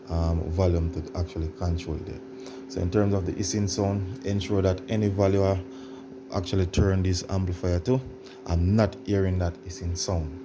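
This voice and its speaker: Deep-voiced man giving an informal tutorial. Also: noisy background. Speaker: tutorial presenter. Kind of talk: informal how-to demonstration.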